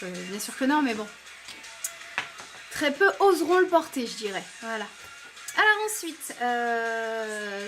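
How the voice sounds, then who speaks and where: A high, bright-sounding woman with a French accent talks in an eager, chatty way, often pausing on fillers. She reviews beauty products for her viewers. Music plays clearly behind her voice. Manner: enthusiastic, chatty, many fillers. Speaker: beauty vlogger.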